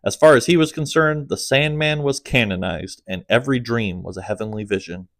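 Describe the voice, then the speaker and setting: A man narrating his own comic audiobook in a steady storytelling manner, dropping low at the ends of phrases. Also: a little fast, no echo, studio quality.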